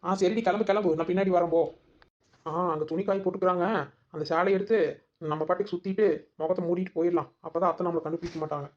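A woman plays a young village daughter-in-law in a cartoon comedy, scheming and exasperated. She mutters fretful asides in very rapid with a fairly low voice, recorded a little dully. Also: fairly even intonation, darkish tone, muffled recording, lightly acted.

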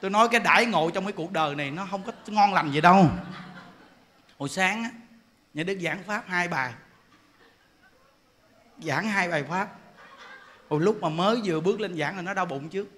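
Southern vietnamese monk preaching, bright sharp voice, keeps laughing and asking the crowd questions. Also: male voice, high voice, fairly quick, pauses often, a little hiss or hum. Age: 40s. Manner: joking, laughing, many rhetorical questions. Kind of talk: dharma talk sermon.

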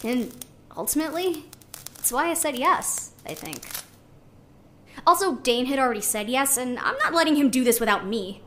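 Young artist girl in an audio drama, playful n musing, highish voice, noisy clicky background. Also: animated, normal speed, fairly bright tone. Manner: musing, conversational. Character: spirited young woman artist, playful, idealistic, talking to recorder. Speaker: actor in a sci-fi audio drama. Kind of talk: audio drama monologue, naturalistic.

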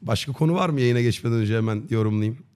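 A man in his thirties chatting casually on a livestream in a slangy, joking, deadpan way. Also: medium pitch, fast. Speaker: live streamer. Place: dim indoor streaming room. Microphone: close desk microphone with headset on.

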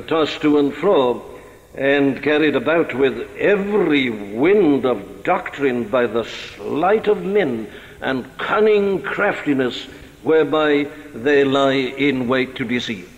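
An older man preaching a sermon in a church, earnest and deliberate, slowing down to stress key words. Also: a little high. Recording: dull archival sermon recording in a large hall.

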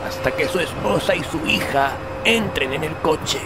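Actor as a high-voiced, cautious small-town man. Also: expressive, very noisy. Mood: cautionary. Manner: firm, deliberate warnings. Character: cautious, stubborn small-town local man helping a stranger. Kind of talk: audio drama acting.

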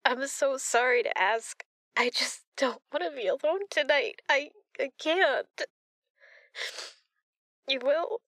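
A woman playing a distraught, apologetic woman seeking comfort at night, crying and speaking softly and haltingly in an intimate audio roleplay. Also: sits high, no echo. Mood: tearful, pleading. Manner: halting, apologetic, soft-spoken. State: crying, upset.

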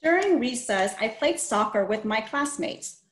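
Middle-aged female host, fairly high voice, children's book reading, distinctly roomy video-call audio. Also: expressive, unhurried. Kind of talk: picture book read-aloud. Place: plain small room, indoors. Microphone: video call computer microphone.

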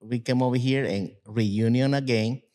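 A man in his fifties from Guatemala, Spanish-speaking by birth, talking haltingly in broken English about his plant nursery in a casual interview. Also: medium pitch, steady tone, a little mellow. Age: 50s. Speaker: guest, nursery owner.

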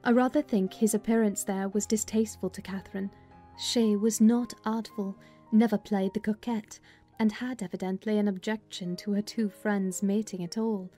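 A woman playing a plain-spoken housekeeper, recounting family history in a measured dramatized literary reading. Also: mid-range voice, fairly even intonation, mellow, natural voice. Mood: measured, candid. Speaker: audiobook narrator. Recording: music bed behind voice.

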